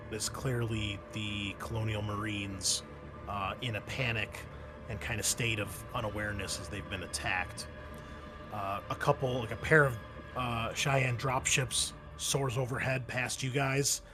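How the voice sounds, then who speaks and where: A man narrating a tabletop roleplaying game as game master, in a halting, descriptive, conversational way. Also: mid-range voice, fairly bright tone.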